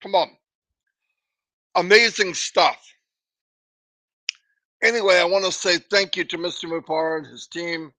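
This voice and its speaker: High-pitched emphatic man giving a pep talk. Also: measured pace, pauses often, pushed and bright, no echo. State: coughing, runny nose. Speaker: livestream host. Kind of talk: motivational livestream talk.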